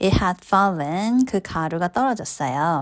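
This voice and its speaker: Recorded with a dry, close sound and no echo, a woman speaks at a very slow pace and medium pitch with lively intonation. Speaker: English reading teacher. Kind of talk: reading aloud with line-by-line translation. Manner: halting, with frequent fillers.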